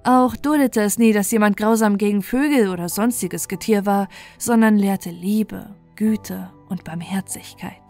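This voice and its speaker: A woman's voice: mid-range voice, a little slow, hardly any pauses, darkish tone. Woman narrating a bedtime fairy tale. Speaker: storyteller. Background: music.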